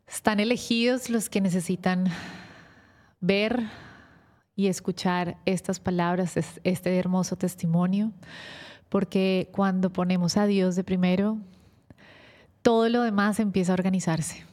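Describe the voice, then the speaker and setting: A woman hosting a Catholic talk show, speaking gently and devoutly, leading a prayer and welcoming her guest. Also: mid-range voice, fairly even intonation, measured pace, long pauses. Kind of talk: warm faith-based interview with prayer.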